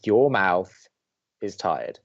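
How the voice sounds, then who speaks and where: A man's voice: low voice, big pitch swings, drawn-out words, creaky, no echo, highs cut off, full character voice. A man playing an exasperated young college radio DJ, bantering with dry sarcasm and a defensive edge. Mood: dry, grumbling. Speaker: radio host.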